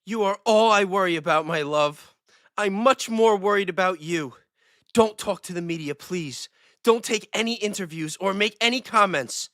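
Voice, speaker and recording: A woman's voice: mid-range voice, moderate pace, fairly bright tone, no room sound, clean studio sound, close to an everyday voice. A woman reading the part of a worried, devoted lover in an earnest, theatrical script read. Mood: tender worry. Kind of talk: mock-dramatic script reading with improv.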